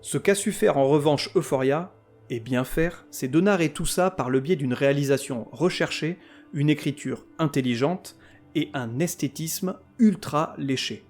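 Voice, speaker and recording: Male podcast host, slightly high voice, sarcastic and foul-mouthed, comic reviewer. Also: normal speed, a little mellow, faint music behind. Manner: sarcastic, crude ranting with mock outrage. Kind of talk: scripted comic series review.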